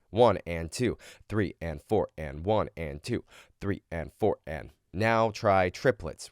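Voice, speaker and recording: A man's voice: deep voice, no echo, clean studio sound. A man giving instructional narration as a vocal coach, explaining exercises in a casual, step-by-step way.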